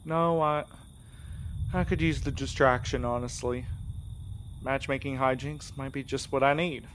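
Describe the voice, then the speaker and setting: A man acting in a fiction podcast as an earnest, gentle, anxious young courier, speaking sincerely and a little hesitantly. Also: medium pitch, fairly even intonation, unhurried, a little hiss or hum, natural voice. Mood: focused.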